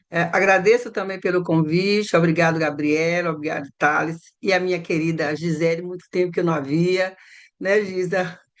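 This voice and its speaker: A woman with a normal speaking voice talks at a fairly slow pace and a fairly low pitch with fairly even intonation, over a quiet background. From Maranhão, Brazil. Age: 60s. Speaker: activist. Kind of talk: podcast interview.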